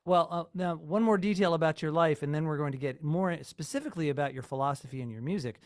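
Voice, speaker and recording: Affirming male interviewer, slightly high voice. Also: no room sound, clean studio sound. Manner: attentive, affirming, measured questions. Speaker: interviewer host. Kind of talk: interview questions.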